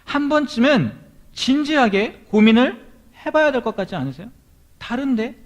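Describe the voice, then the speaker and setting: Lively, high-voiced male pastor preaching. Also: moderate pace. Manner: questions the listeners often. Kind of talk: sermon. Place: church hall.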